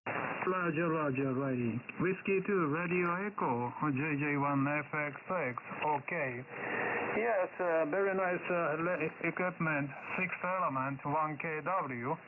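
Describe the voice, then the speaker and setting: A man making a ham radio call over a shortwave receiver, halting and spelling out call signs phonetically. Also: on the high side. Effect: heard over a shortwave radio receiver. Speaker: amateur radio operator. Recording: tinny narrow-band radio with static.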